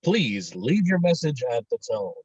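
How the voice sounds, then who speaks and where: Man as a husky answering machine greeting, muffled. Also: a little high, big pitch swings, measured pace, darkish tone, dry recording, exaggerated voice. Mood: formal. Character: recorded answering machine greeting of a family home. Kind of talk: phone greeting in a script read-through.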